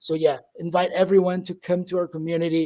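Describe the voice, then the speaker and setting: Moderate-paced speech with a Brazilian accent. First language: Portuguese. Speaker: game community representative. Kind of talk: game presentation on a livestream. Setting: livestream. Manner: halting, many repeated words.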